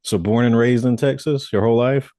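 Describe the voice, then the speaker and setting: A man's voice: medium pitch, fairly even intonation, brisk, mellow, no room sound, clean studio sound. A man hosting a podcast, easygoing and curious, who swears casually as he chats. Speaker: podcast host. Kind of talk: casual interview chat.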